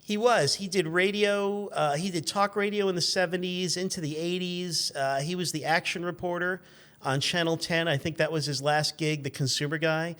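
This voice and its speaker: Slightly high-voiced man in his fifties, wry. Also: fairly even intonation, normal speed, fairly bright tone, clear, resonant tone. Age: 50s. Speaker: interview guest, car journalist. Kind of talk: casual anecdotal chat.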